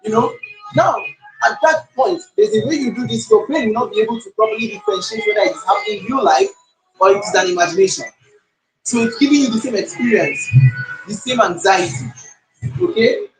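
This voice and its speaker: A man runs a public speaking workshop, his voice pitched high and swinging widely as he repeats lines to rouse the crowd. The sound bounces around an echoey room, with faint music underneath. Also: fairly quick. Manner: animated, repeats phrases, hypes the audience. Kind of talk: live workshop coaching.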